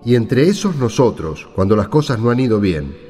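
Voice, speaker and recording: A man's voice: medium pitch, very animated, moderate pace, dark tone, breathy edge. An Argentine man playing a talkative disciple who interrupts and comments wryly in an amateur radio play. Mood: cheeky, impatient. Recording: long reverb, music behind.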